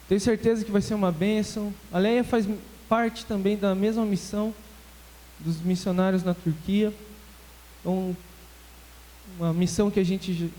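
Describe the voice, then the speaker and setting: A man's voice: high voice, dark tone. A man with a Brazilian accent leading a church service, informally introducing a guest speaker and blessing the children's class. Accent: Brazilian Portuguese. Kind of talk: church announcements. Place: church sanctuary. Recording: church hall reverb.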